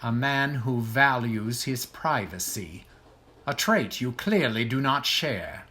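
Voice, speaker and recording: Man playing a haughty, swooping wartime gentleman. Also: medium pitch, lively intonation, takes it slowly, heavily acted. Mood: indignant. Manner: pompous, precise, formal diction. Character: haughty, private war-wounded gentleman, formal and indignant. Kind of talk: audio drama acting.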